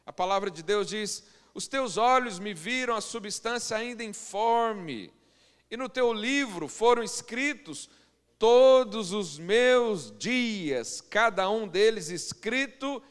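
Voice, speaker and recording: A man from Goiânia with a Brazilian Portuguese accent, preaching a sermon as pastor and slowing into loud, emphatic scripture readings. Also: high-pitched, lively intonation, smooth. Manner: swells loud and slow on scripture quotes. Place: church hall. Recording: long church-hall reverb.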